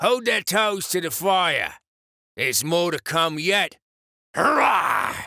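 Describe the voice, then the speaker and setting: A man puts on a character voice in a Cockney accent, pitched high. He leaves long, frequent pauses. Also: fairly slow pace. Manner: rousing, war-cry.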